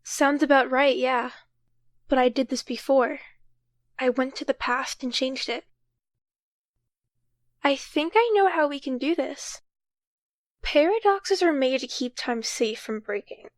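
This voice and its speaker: महिला के अभिनय में ऊँची आवाज़ वाली गंभीर युवा समय-यात्री, सूखी, बिना गूंज की recording. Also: female voice, high-pitched, measured pace, pauses often, no echo, studio quality. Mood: explaining, thoughtful. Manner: earnest, explanatory, instructing. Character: cautious, earnest young woman time traveler who takes charge. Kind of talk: audio drama acting.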